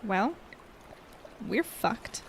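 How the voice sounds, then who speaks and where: A woman playing a hesitant, wry young woman in an audio drama, with a halting delivery. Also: on the high side, lively intonation, slight background noise, heavily acted.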